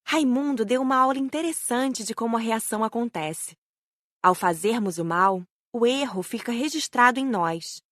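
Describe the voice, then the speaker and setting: A woman narrates an audiobook in scripted storytelling style. Her voice is a bit high, and the recording is dry and close. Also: normal speed, a bit bright, no room sound.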